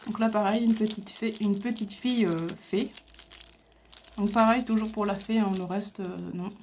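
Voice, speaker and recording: Speaking at a moderate pace in a medium-pitched, darkish voice, a crafting video host casually shows off her craft supplies, hesitating and using lots of fillers. The show-and-tell was recorded at home on a camera mic, with slight background noise.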